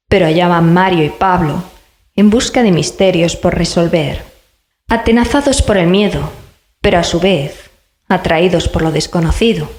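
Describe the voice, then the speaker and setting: A woman's voice: lowish voice, darkish tone, echoey room, lightly acted. A woman with a Spain Spanish accent playing a pensive young researcher of occult mysteries in a scripted audio drama monologue. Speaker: character narrator in an audio drama.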